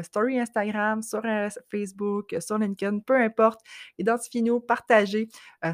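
A woman's voice: medium pitch, dry recording, studio quality. Effusive Quebec French woman podcast host. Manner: effusive, enthusiastic. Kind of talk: casual podcast interview.

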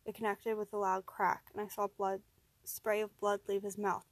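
A woman narrating a first-person horror story, steady and even, rising in tense moments. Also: mid-range voice, moderate pace, no echo.

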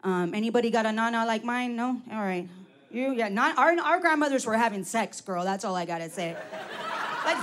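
Brief: high-pitched woman in her forties, loud and profane stand-up delivery. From Los Angeles. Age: 40s. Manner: brash, profane, loud punchlines. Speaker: stand-up comic. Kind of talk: stand-up comedy set.

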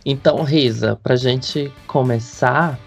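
A man's voice: mid-range voice, slow pace, vocal fry, faint music behind. A man with a Brazilian accent hosting a podcast, chatting casually in a playful, camp way with lots of slang. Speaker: podcast host. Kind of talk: casual chat.

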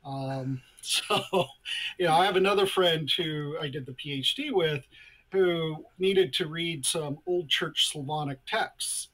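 A man speaking as a scholarly interview guest, his voice a little higher than most. He answers in a measured, thoughtful way, pausing with small hesitations. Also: fairly bright tone, low-quality recording.

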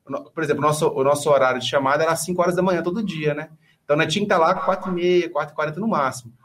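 A man rattles off his stories at a fast clip in a slightly high voice. He talks in relaxed, slangy podcast chat about his police training. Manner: rapid, slangy storytelling. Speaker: police officer guest.

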